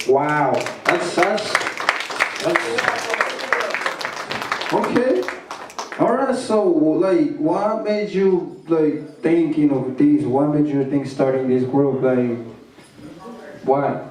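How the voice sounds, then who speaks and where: A man's voice: fairly high pitch, drawn-out words, long pauses, crowd noise. Easygoing man asking questions in an echoey hall. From Burundi. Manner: chatty, laughing, filler-heavy questions. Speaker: interviewer. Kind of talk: casual live event interview. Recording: very echoey hall, distant mic.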